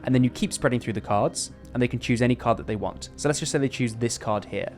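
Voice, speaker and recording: A man's voice: medium pitch, fast talker, darkish tone. Man, card magician patter, casual tutorial style, instructive, conversational, guitar music in the background.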